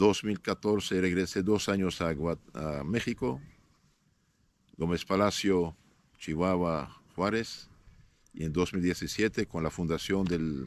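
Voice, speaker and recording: Over a silent background in a very clean recording, a man with a very deep, low pitch and ordinary pitch variation speaks at a very slow pace, with long, frequent pauses. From northern Syria, then Belgium from childhood. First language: Aramaic (French second) (speaking Spanish). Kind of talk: interview. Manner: hesitant, with filler sounds.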